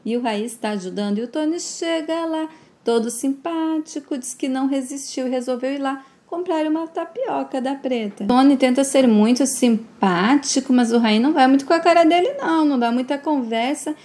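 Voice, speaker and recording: A woman's voice: sits high, normal speed, a little mellow. A Brazilian woman retelling a soap opera episode in a plain, conversational way. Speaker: narrator. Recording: roomy echo.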